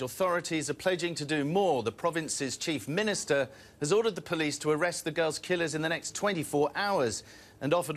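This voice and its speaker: A man reporting a scripted news package as a foreign correspondent, in a measured, grave tone. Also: fairly high pitch.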